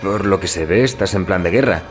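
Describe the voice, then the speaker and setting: A man's voice: low-pitched, fairly quick, soft background music, close to an everyday voice. An actor playing a burly, loyal young male rower in an audio drama, hearty and casual in manner. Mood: easygoing, game.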